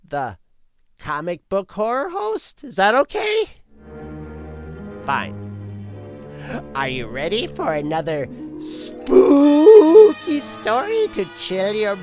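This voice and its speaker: A woman's voice: mid-range voice, a little mellow. A woman narrating as a campy comic book horror host in a theatrical, swooping delivery. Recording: music bed behind.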